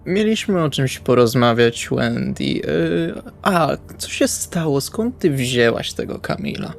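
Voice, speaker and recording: A man playing a tabletop RPG, narrating his character's actions in the first person in short, deliberate phrases. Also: mid-range voice, very animated, vocal fry. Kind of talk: first-person roleplay narration over game session. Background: soft guitar music.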